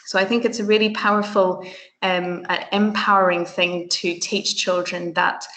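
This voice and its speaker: A woman in her thirties who grew up in Ireland, giving a teaching presentation. Her voice sits low and stays fairly flat, thoughtful and earnest. She pauses on ums and restarts phrases as she works through her ideas. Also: poor audio. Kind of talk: recorded conference presentation.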